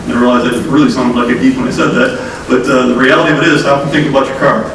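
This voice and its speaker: Man with a cold, quick-paced talk, distant mic, noisy echoing hall. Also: mid-range voice, steady tone, fairly bright tone. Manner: folksy, direct, addresses audience as folks. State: has a cold, losing his voice. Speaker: state transportation official. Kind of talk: conference presentation. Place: conference room.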